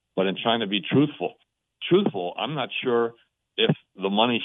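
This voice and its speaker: With an American accent, a man talks at a moderate pace with lively intonation. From eastern Pennsylvania. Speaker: caller. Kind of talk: radio call-in question. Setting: phone call.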